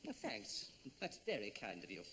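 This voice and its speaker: A man's voice: fairly low pitch, huge pitch swings, normal speed, very noisy. An actor playing a scheming, ambitious male teacher who veers between smug and desperate. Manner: smug, then frantically desperate. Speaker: senior teacher at a school.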